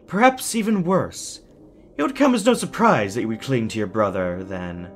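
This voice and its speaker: A man's voice: medium pitch, expressive, moderate pace, faint music behind, lightly acted. An actor playing a deranged, genteel villain in an audio drama, formal and mocking, savoring his words with menacing sweetness. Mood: silky menace.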